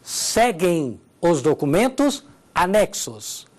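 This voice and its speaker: A woman's voice: lowish voice, very animated, slow, a little mellow. A woman teaching Portuguese grammar in a televised lesson, walking through examples and checking in with her listeners. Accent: Brazilian Portuguese.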